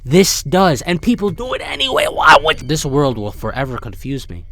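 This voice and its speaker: A man's voice: a little high, lively intonation, moderate pace, vocal fry, fairly bright tone. A man giving casual, slangy reaction commentary as a video host, sounding incredulous and partly reading text aloud. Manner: slangy, incredulous, often addressing viewer as bro.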